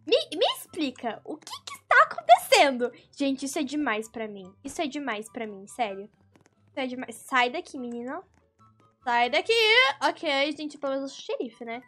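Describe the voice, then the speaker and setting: A young Brazilian woman commentating her own gameplay, with excitable, exasperated outbursts. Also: sits high. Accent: Brazilian Portuguese. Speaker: gaming YouTuber.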